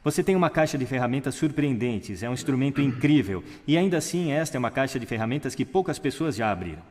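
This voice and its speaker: A man giving a stage talk on voice technique, demonstrating shifts in pitch, pace and volume. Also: expressive, quick pace, darkish tone, in a large hall. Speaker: speaker on public speaking. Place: large hall on a stage.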